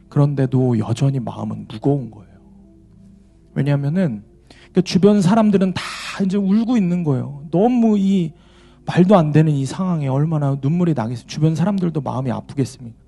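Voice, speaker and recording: A male pastor telling a story in a sermon at church, swinging between loud exclaims and hushed low tones. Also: creaky.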